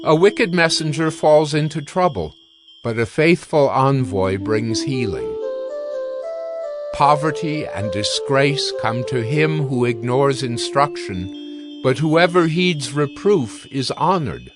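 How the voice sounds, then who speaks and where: A man of medium pitch reads scripture as a narrator. He goes slowly and deliberately, with a declarative delivery suited to a dramatized audio Bible. Music plays clearly underneath. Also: animated. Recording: instrumental music bed. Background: instrumental music.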